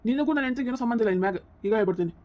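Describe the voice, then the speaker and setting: A woman's voice: fairly high pitch, rapid-fire, dark tone, natural voice. Woman voicing a hot-headed young village husband. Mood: scolding. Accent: North Karnataka Kannada. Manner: scolding, insistent, lecturing. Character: heated young husband defending his wife against his mother.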